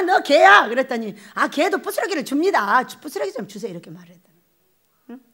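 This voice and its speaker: Lively high-voiced woman pastor preaching. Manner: animated and folksy, asks the congregation questions; acts out quoted voices with laughter. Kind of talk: sermon. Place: prayer retreat sanctuary.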